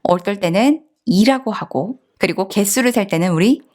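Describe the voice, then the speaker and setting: A woman's voice: medium pitch, animated, moderate pace. A woman teaching an online Chinese lesson, explaining patiently and often asking the listener questions.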